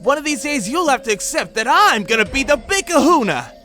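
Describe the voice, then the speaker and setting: A man's voice: very high-pitched, sing-song, fairly quick, pushed and bright, soft background music, exaggerated voice. A man playing a cocky, boastful young gorilla who is full of himself, in an audio drama. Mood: annoyed, defensive. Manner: boastful, self-important. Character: cocky, boastful young male gorilla, would-be island ruler. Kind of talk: audio drama character acting.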